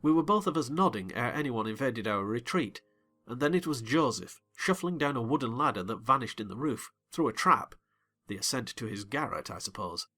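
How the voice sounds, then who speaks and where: A man giving an expressive, measured dramatized reading of a classic novel. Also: mid-range voice, soft background music. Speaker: narrator.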